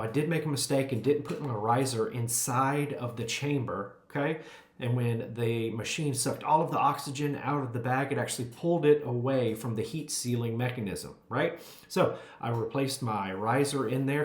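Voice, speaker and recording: Middle-aged American man, jolly folksy grill dad, upbeat cooking-vlog host, emphatic delivery, mid-pitched. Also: echoey room. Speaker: barbecue cooking vlogger and host.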